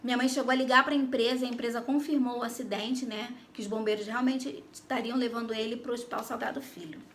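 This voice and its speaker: Woman, Brazilian Portuguese accent, high pitch, lively storytelling, personal testimony, addresses listeners. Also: fast, a little hiss or hum. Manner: animated, addresses listeners directly. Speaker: Christian YouTuber giving testimony.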